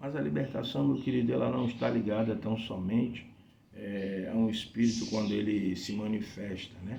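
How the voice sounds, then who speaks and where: Soft-spoken and fairly low, a man's dark, mellow voice with vocal fry and ordinary pitch variation moves at a moderate pace amid audible room echo. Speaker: lay preacher. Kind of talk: sermon.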